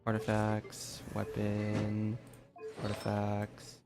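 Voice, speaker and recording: A man's voice: lowish voice, completely flat delivery, extremely slow. Casual male gamer thinking aloud over music. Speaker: game streamer. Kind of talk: casual live gameplay commentary. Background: game music.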